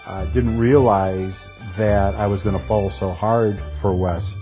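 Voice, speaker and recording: A man's voice: lowish voice, fairly even intonation, slow pace, mellow, soft background music. Candid man in his fifties. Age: 50s. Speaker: interviewee. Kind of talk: documentary interview.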